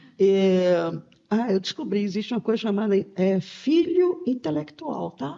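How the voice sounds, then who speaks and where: A woman speaks fairly slowly, her pitch swinging very widely. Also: medium pitch for a woman. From Brazilian Northeast. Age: 70s. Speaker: history professor. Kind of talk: casual chat. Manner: halting.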